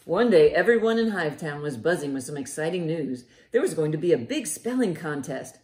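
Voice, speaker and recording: A library storytime host, a woman with a lowish voice, reads a children's storybook in an animated, expressive, deliberate, child-directed way. She is indoors in a living room by a fireplace, and the recording has a roomy living-room echo.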